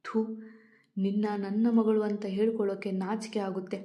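A woman's voice: medium pitch, level tone, moderate pace, warm tone, highs cut off, lightly acted. A woman doing a furious scolding mother. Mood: contemptuous. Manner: scolding, contemptuous. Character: furious ashamed mother scolding her daughter.

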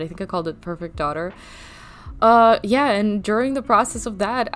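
A young woman whose first language is Russian, rambling chattily in a casual voice-over while she draws, with fillers and laughs. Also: lowish voice. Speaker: art channel host.

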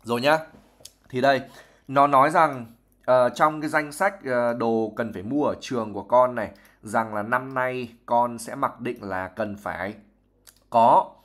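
A young man, a native Vietnamese speaker, teaches English vocabulary to his live-stream viewers. He works through a novel passage by passage, reading aloud and then explaining each word in a chatty, patient way. His voice sits at an ordinary middle pitch. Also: a little slow, a bit bright. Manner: reads passages, then explains words at length.

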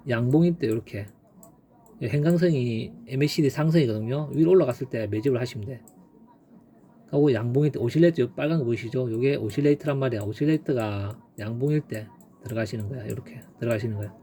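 A man with a mellow, relaxed voice talks viewers through stock charts in a casual lesson. He repeats his points and punches them up with bursts like "빵" and "빡". A faint hiss sits underneath the recording. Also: medium pitch, quick pace. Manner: emphatic, repetitive, peppered with sound effects like "빵" and "빡". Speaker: stock trading instructor.

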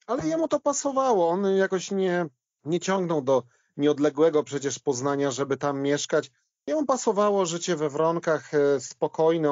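A man's voice: on the high side, a little mellow, no room sound. A man in a conversational sports history discussion, thinking aloud with some hesitation as he talks. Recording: slightly dull, band-limited audio.

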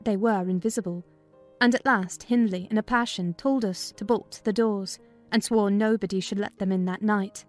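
A woman narrating a dramatized audiobook in a measured, literary storytelling manner. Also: mid-range voice, fairly even intonation, soft background music.

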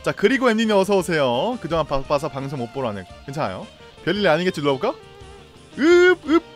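A young man streaming a game live, reacting loudly, laughing and greeting viewers. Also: on the high side, sing-song, quick pace, soft background music.

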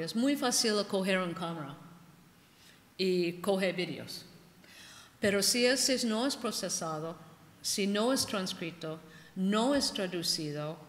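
Older english-speaking lady giving a talk, lots of "ah" and "ok", big echoey hall. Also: lowish voice. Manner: halting, frequent "ah" and "ok", gestures widely. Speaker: linguist giving a conference talk. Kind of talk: academic lecture. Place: large ornate conference hall. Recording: echoey hall with long reverb.

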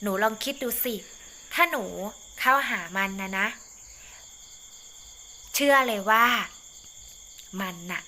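Woman voicing a scolding, kindly old mother in a storybook reading, bright and pointed. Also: on the high side, slow, long pauses. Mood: coaxing. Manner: lecturing, coaxing, motherly. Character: older mother-in-law, scolding but kindly.

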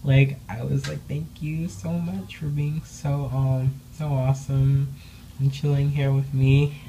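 A woman chatting casually in an indoor room as a doll hobby vlogger, rambling with many filler words and bubbly excitement. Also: very deep voice, takes it slowly, a little hiss or hum, low-quality recording. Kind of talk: casual update vlog. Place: indoor room, speaking off camera behind dolls.

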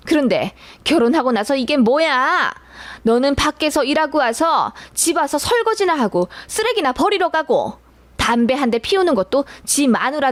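A woman voicing an older mother-in-law who scolds her daughter-in-law in a drawn-out, lecturing way, read for a narrated story. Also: sits high, no echo, pitched above the performer's own voice.

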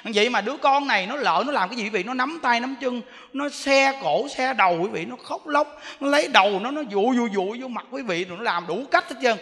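High-pitched monk preaching. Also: male voice, brisk. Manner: animated, repetitive, addresses listeners directly. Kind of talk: Buddhist sermon. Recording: long reverb of a hall.

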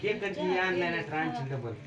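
A woman's voice: fairly low pitch, fairly quick, highs cut off. A woman chatting casually with family at home, joking and laughing often.

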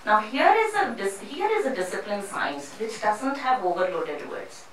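A middle-aged woman from India speaking on a panel in a seminar room into a handheld mic, halting and earnest with many restarts. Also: medium pitch, huge pitch swings, a little hiss or hum. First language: not Hindi; English not first language. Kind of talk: public talk at a panel. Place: seminar room with a panel seated before a screen. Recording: echoey room picked up from a distance.

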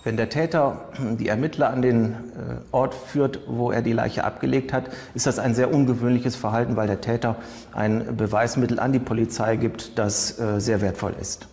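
A man giving measured, explanatory expert commentary with hesitant pauses. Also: medium pitch, steady tone, darkish tone, in a large hall. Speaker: criminal psychology expert.

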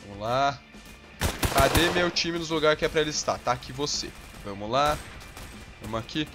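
A young Brazilian man with a Brazilian accent giving hot-tempered gameplay commentary, swearing and bursting into yells. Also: medium pitch, expressive, moderate pace, music in the background. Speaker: gaming channel host.

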